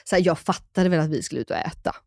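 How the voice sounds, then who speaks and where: Animated woman telling a story, dry close sound. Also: low voice, vocal fry, no room sound. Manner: animated storyteller who acts out quoted voices. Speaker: podcast co-host. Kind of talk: casual chat.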